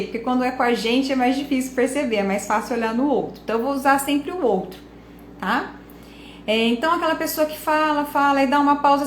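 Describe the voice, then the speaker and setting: A woman's voice: high-pitched, reverberant, a little hiss or hum. A woman, hosting a reflective talk to camera and often tossing in rhetorical and tag questions. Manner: conversational, asks rhetorical questions, frequent tag questions. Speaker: speech and listening coach, channel host.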